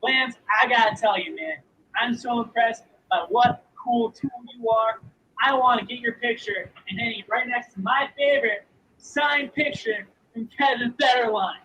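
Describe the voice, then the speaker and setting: A man's voice: very high voice, normal speed, pushed and bright, breathy edge, low-quality recording. A man delivering sarcastic mock praise in a comedy video.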